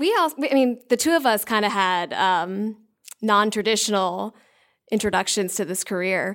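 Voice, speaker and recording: A woman with an unremarkable speaking voice talks at a moderate pace and medium pitch with lively intonation. The recording is very clean, with a silent background. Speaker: ad writer. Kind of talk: casual interview chat.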